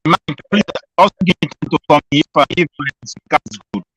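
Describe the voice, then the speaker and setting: A man's voice: fairly high pitch, expressive, fast, fairly bright tone, breathy edge. A man on an online panel call whose signal keeps breaking up into choppy, stuttering audio, repeating short phrases to get through. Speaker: panel guest. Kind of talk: casual panel discussion. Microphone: video call.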